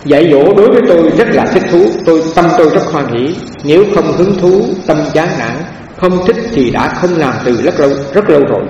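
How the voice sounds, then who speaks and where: A man, a Buddhist monk giving an animated storytelling Dharma talk and translating, who often repeats words as he searches for them. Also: a little high, a little fast, highs cut off. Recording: echoey hall, picked up from far off, faint background noise.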